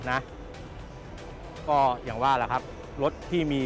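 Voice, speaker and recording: A man films a casual walkaround of a car in a busy indoor motor show hall. He chats along, repeating his points and ending phrases politely, in a mid-pitched voice. Faint music plays in the background. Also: measured pace. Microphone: handheld camera mic, presenter off camera.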